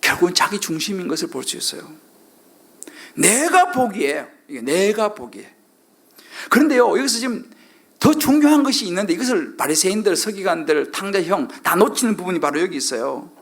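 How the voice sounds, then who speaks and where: A man's voice: sits high, lively intonation, fast talker. A middle-aged male pastor preaching a sermon, constantly asking the congregation questions and acting out quoted lines.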